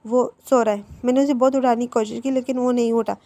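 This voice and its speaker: A caring young older sister coaxes softly and patiently. Her voice is fairly high and mellow, as a woman narrator puts her on. It belongs to a storybook retelling. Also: steady tone, quick pace, lightly acted. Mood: coaxing.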